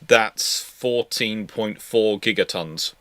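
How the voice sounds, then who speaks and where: A man in casual live-stream discussion, speaking haltingly and often repeating and restarting his phrases. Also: fairly low pitch, bright, forceful tone, no room sound. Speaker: host of a live history Q&A stream.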